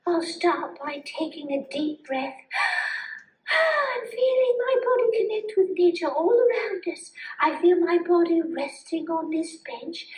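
A woman voicing a high, gushing mindful puppet. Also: darkish tone, distant mic, full character voice. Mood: serene. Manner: soothing, instructive, enthusiastic. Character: earnest mindful woman puppet, gentle and cheerful. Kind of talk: live puppet show. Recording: roomy sound from afar.

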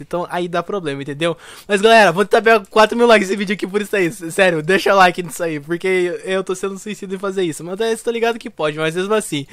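A young Brazilian man giving casual, slangy commentary over his own gameplay, excitable at first and quieter once he is playing. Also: high-pitched, no echo. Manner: slangy, excitable intro then quieter focused play talk. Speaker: gaming YouTuber.

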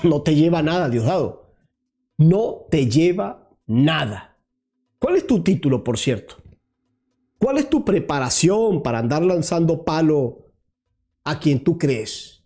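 A man's voice: on the high side, big pitch swings, slow pace, pauses often, warm tone. A man in his thirties hosting political commentary, combative, firing rhetorical questions straight at his target, recorded on a lapel mic in a small studio. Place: small studio with virtual set.

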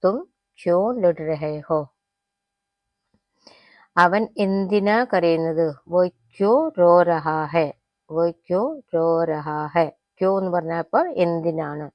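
A woman gives a spoken language lesson. She says each phrase slowly, repeats it, and then explains it quickly. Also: lowish voice, no echo, dull audio. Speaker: Hindi teacher.

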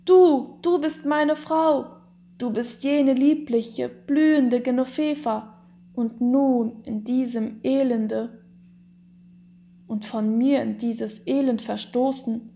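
A woman's voice: sits high, slow, vocal fry, warm tone, exaggerated voice. A woman voicing an anguished, remorseful count in a storybook, in an impassioned, pleading, exclamatory manner. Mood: remorseful, overwhelmed. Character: anguished, guilt-stricken count, adult man, horrified and remorseful. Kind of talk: dramatic storybook reading.

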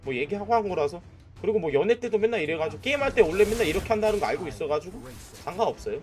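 A man's voice: sits high, very fast, soft background music. A man streaming a mobile game, commenting live, cheering and trash-talking the enemies. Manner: excitable, shouting at enemies and cheering; trash-talking with frequent "nice" and "that's it".

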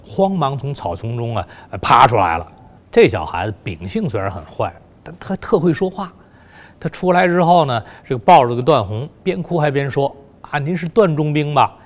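Lively-pitched male history storyteller. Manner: colloquial, filler-heavy storytelling. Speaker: history lecturer. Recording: long hall reverb.

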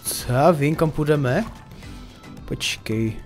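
A man's voice: fairly high pitch, soft background music. A man giving casual, joking commentary on his own gameplay and talking to viewers as friends. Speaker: gaming YouTuber.

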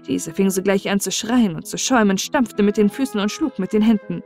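A woman narrates a bedtime fairy tale in storybook style. Her voice sits at a middle pitch, with music playing behind it. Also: a little fast, darkish tone. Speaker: audiobook narrator.

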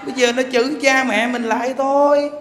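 A male monk giving a dharma talk in a lively, joking way, acting out quarrels with bursts of laughter. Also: very high-pitched, fairly quick. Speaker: monk teacher. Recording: echoey hall with faint background noise.

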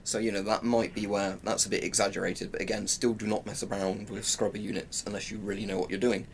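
A man's voice: lowish voice, little pitch movement, fast talker. A British man in his twenties giving an informal, rambling explanation as he demonstrates gear. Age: 20s. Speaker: presenter of military gear reviews. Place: small cluttered room at home. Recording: clearly noisy home-room recording.

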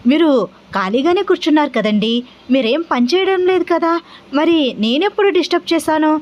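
A woman's voice: sits high, expressive, brisk, highs cut off, pitched above the performer's own voice. A woman doing a playful, mock-innocent wife. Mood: innocently teasing.

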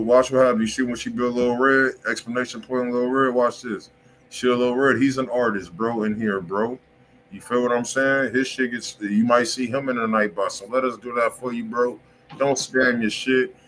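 An American man hosts a casual music livestream with a medium-pitched voice. His talk is slangy, repetitive and insistent, with a faint layer of noise behind it. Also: fairly even intonation, moderate pace, fairly bright tone, rough recording. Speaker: music review stream host. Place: indoor room on a livestream.

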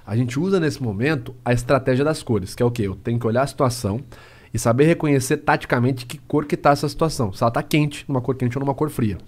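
A young man, a private investigator, telling an animated story as a podcast guest and acting out scenes. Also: mid-range voice. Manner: lively, acts out scenes and quotes.

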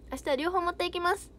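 A woman's voice: very high-pitched, bright, forceful tone, a little hiss or hum. A young woman idol chatting casually on a livestream, reading out viewer comments with bubbly giggles.

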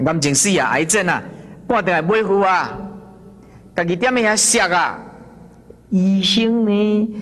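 High-voiced Taiwanese monk preaching. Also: male voice, sharp tone. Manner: clears throat often, repeats phrases slowly for emphasis. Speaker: Buddhist monk. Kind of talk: storytelling sermon.

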